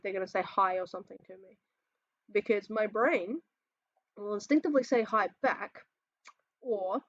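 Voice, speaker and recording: A man's voice: sits high, a bit bright, no room sound, dull audio. An Australian trans man with a feminine-sounding voice, ranting casually while reacting to memes, swearing often and rambling between sighs and laughs. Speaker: reaction video host.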